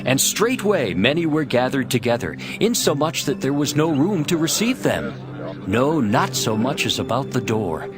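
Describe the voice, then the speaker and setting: Male narrator, scripted scripture reading, lively varied intonation, medium pitch, music underneath. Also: normal speed. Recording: music behind the voice.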